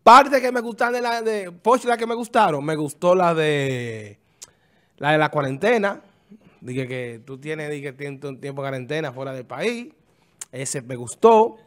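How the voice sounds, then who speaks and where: A man giving casual, animated commentary, explaining things at length and often repeating phrases. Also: fairly high pitch, a little slow. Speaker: music commentator.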